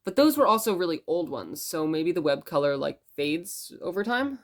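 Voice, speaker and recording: A woman acting as a gentle radio host in an audio drama, telling stories in a musing, conversational way. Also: fairly low pitch, very animated, normal speed. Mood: rambling, musing. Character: rambling, gentle blind radio station host.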